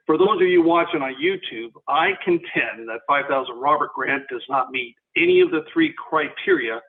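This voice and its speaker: A man calling into a committee webinar over a phone speaker, reading a formal, measured statement as a public delegate. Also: on the high side. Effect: heard over a phone speaker. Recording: tinny phone-line audio.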